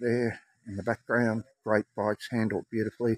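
A man in a monotone, flat intonation, the sound dry with no echo. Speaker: museum visitor narrator. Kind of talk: casual commentary. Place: hall. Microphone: phone near.

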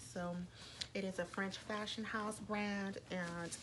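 Against noticeable background noise, a woman talks in a monotone, flat intonation. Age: 30s. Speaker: handbag vlogger; vlogger. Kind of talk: casual vlog unboxing. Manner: chatty with many fillers. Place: home room. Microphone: webcam.

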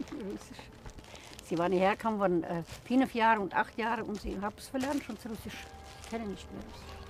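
A woman speaks at a fairly quick pace with ordinary pitch variation, leaving long, frequent pauses. Noticeable background noise runs underneath. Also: medium pitch for a woman, big swings in loudness. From Russian-German village in Siberia, Omsk region. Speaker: Russian-German immigrant pensioner. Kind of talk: street interview. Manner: halting.

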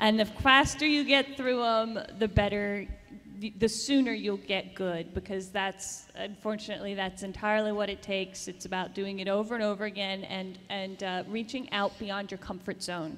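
A woman speaks with an ordinary speaking voice at medium pitch. Her pace is moderate and her intonation fairly even. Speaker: animator and cartoon creator. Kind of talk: panel answer to fan question. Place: hall.

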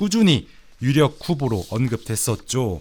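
On a very clean recording with a silent background, a man with a plain, everyday voice and a fairly high pitch speaks at a moderate pace. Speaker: newspaper reporter hosting a news review show. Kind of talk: news reading and commentary. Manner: conversational with filler sounds.

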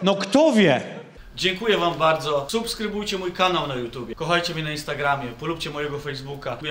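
A man talks at a fairly quick pace with ordinary pitch variation. Light background noise and audible room echo are present. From Poland. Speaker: stand-up comedian. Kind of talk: stand-up comedy routine with audience. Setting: stage with audience.

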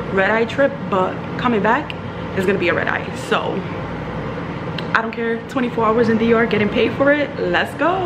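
Over noticeable background noise, a woman talks at a moderate pace with ordinary pitch variation. Her pauses are long and frequent. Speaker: flight attendant vlogger. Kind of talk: casual vlog chat. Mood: rushed but excited. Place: home room. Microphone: phone near.

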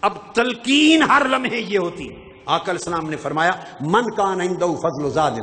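The man's voice sits at a high pitch. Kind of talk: sermon. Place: hall. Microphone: podium.

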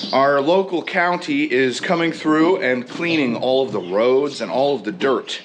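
Ordinary pitch variation in a man's speech, noticeable background noise behind it. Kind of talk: casual vlog chat. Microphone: phone near.

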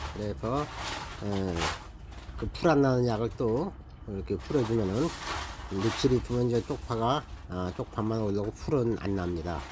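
The speech moves at a moderate pace with long, frequent pauses and noticeable background noise. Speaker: farmer. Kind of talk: casual farming how-to narration. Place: farm. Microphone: phone near.

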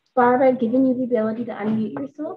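A woman talks in a somewhat breathy voice. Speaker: city staff member. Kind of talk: public meeting. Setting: video call.

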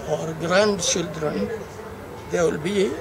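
A man with an Ethiopian accent and fairly even intonation, over noticeable background noise. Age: 70s. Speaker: older people's rights campaigner. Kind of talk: interview answer. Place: garden.

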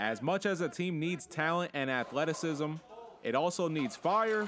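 This man talks at a fairly slow pace and a high pitch amid noticeable background noise. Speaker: sports documentary narrator. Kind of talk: scripted narration.

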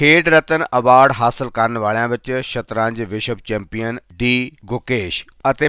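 A man with a bright, sharp tone speaks with fairly even intonation. The sound is dry and close with no echo, over a quiet background. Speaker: news anchor. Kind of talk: news reading. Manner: formal, steady, brisk read-aloud delivery; dense run-on sentences with few pauses.

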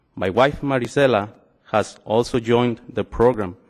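Speaking in a Spanish accent, a man keeps a moderate pace and a fairly even intonation. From Mexico. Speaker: farm worker and adult literacy student. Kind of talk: public comment at council meeting. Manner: reading prepared statement.

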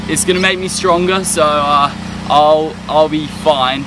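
Loud background noise surrounds a man speaking at a moderate pace with ordinary pitch variation and a dry sound with no echo. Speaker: runner vlogger. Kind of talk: casual vlog chat. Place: street.

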